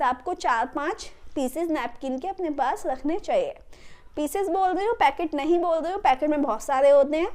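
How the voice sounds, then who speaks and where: An Indian woman teaching English phrases in a lesson, explaining patiently and repeating each phrase slowly. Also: sits high, darkish tone. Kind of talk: classroom-style spoken lesson.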